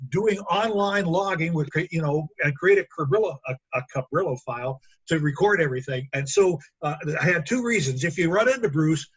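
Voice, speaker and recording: A man chatting casually at a club meeting in a halting, rambling way. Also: fairly high pitch, fairly bright tone, breathy edge, highs cut off. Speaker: radio club member.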